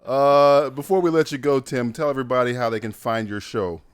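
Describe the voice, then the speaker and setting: A man hosting a podcast in casual, profane banter, excitable and laughing often. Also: mid-range voice, brisk, over music. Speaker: podcast host.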